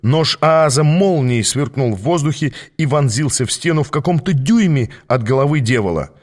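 A man narrating an audiobook in a measured storytelling manner. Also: on the high side, lively intonation, a little mellow.

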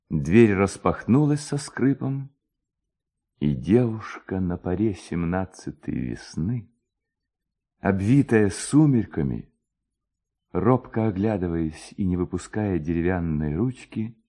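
A man reading classic prose as a narrator, in an expressive, lyrical and measured storytelling manner. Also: low-pitched. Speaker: literary narrator.

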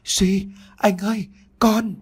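A distraught young mother in a spoken ghost story, as a male narrator puts her on, her voice pushed up high and strained. She cries out in shrill, sobbing bursts that rise and fall wildly. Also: very animated, fast talker. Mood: panicked. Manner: shrieking, sobbing delivery. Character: young mother, frantic and grief-stricken.

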